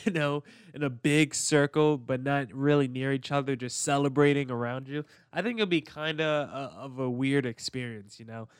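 Slightly nasal man, clear podcast voice. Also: medium pitch, no room sound, studio quality. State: congested from allergies. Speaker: sports podcast host. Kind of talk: casual solo podcast commentary, with read-out sponsor spots.

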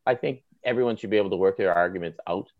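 A man's voice: sits low, racing, no room sound, phone-quality sound. A man with a Maritime Canadian accent chatting about sports as a guest, in an emphatic, colloquial, opinionated way with punchy short phrases. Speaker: author and podcast guest. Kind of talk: animated opinionated sports chat.

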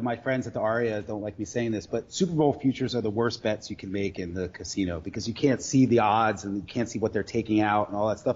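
A man speaks in an average-pitched voice on dull, lo-fi audio. He tells stories casually, often stopping and restarting as he rambles along. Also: darkish tone. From Queens, New York. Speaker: sports bettor guest. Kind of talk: casual storytelling interview.

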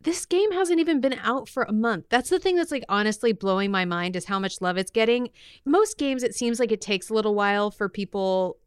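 Clean, crisp-voiced enthusiastic woman podcast host. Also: a little high, fairly quick, no echo, studio quality. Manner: enthusiastic, playful, slangy. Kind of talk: casual upbeat entertainment chat.

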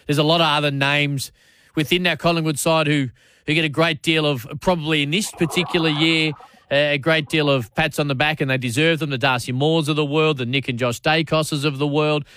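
A man's voice: a little high, steady tone, fairly quick, fairly bright tone, clear, resonant tone, dry recording. An Australian man hosting sports talkback radio, matey and chatty, often restarting his phrases. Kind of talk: casual talkback commentary. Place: radio studio.

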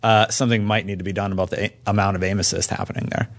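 A man's voice: lowish voice, steady tone, very fast. A man chatting casually about video games as a podcast panelist.

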